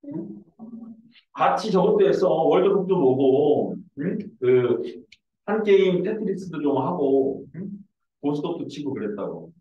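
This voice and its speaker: A man teaching math in a classroom, mixing the lecture with lively, joking stories. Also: fairly high pitch, a little slow. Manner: animated, joking storyteller. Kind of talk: lecture mixed with casual anecdotes. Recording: echoey room, distant dull mic.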